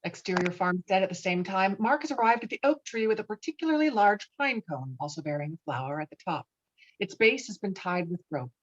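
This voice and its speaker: A woman's voice: mid-range voice, expressive, a little fast. A woman narrating the stage directions of a screenplay in an online table read, with muffled lo-fi sound. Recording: muffled lo-fi video call audio.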